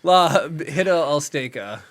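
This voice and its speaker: A man co-hosting a podcast in casual, animated chat, laughing often as he talks. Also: a little high, slow pace. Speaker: podcast co-host. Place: home studio podcast set.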